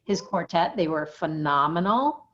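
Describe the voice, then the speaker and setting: A woman's voice: fairly low pitch, animated, a little slow, a bit bright. A middle-aged woman co-hosting a casual stitching chat, chatty and giggly. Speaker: flosstube co-host. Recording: dull lo-fi sound with faint noise.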